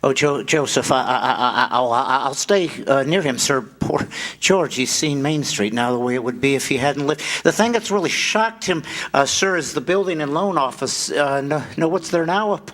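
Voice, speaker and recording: An actor in a radio play stage reading, playing a gentle, childlike, centuries-old angel with an eager, stammering manner. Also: male voice, on the high side, animated, moderate pace. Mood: earnest. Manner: stammering, innocent, chuckling.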